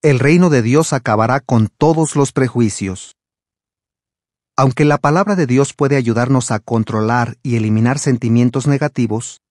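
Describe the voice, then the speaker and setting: Calm man narrating a religious video. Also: mid-range voice, no echo, studio quality. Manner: calm, explanatory.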